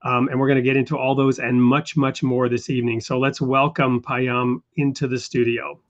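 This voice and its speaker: Man, talk show host, measured and conversational, mid pitch, dull lo-fi audio. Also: flat delivery. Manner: measured, conversational, a few fillers. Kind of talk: hosting an interview talk show. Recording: dull lo-fi sound.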